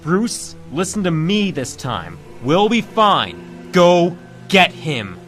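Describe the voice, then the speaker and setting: A man's voice: high voice, wildly swooping pitch, slow, fairly bright tone, faint music behind, full character voice. An actor playing an earnest, urgent young male hero sidekick in a comic-book radio drama. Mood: urgent concern.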